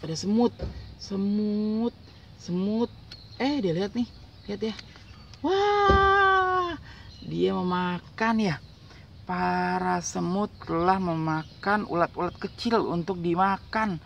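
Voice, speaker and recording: A man reads a picture book to a small child outdoors on a park playground swing, full of exclamations, sound effects and simple repeated phrases. The voice is high and creaky, fairly even and a little slow. Captured off-mic by a camera a short distance off, it's distant amid outdoor noise.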